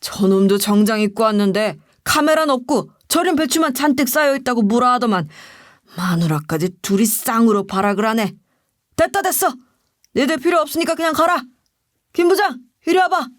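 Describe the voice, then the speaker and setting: Rude bossy company head sneering at his staff, read by a woman in a story narration, high pitched. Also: normal speed, no room sound, studio quality, lightly acted. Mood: scornful. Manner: rude, scornful, talks down. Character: arrogant bullying male company boss.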